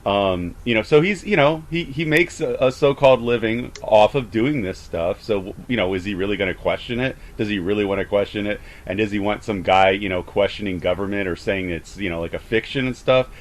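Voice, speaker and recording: A man's voice: on the low side, brisk, few pauses. A man chatting casually, rambling with frequent stammers and false starts. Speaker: host of a call debrief. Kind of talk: casual chat.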